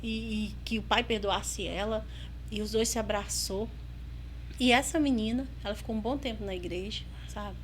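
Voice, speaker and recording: A woman's voice: medium pitch, moderate pace, slight background noise. A woman with a Brazilian Portuguese accent, a podcast guest in ministry, telling a story and acting out the dialogue in a casual chat.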